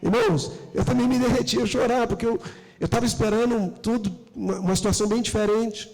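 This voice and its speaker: A man's voice: extremely high pitch, steady tone, fast, darkish tone. A man from Brazil with a Brazilian accent, a pastor giving a fervent sermon that tells a story and keeps addressing the congregation. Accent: Brazilian Portuguese. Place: church hall. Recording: long church hall reverb.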